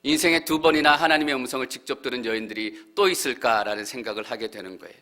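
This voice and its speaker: A male pastor giving an earnest sermon, growing louder and more fervent as he voices heartfelt prayers. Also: medium pitch, fast. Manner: earnest preaching, swelling louder when voicing prayers.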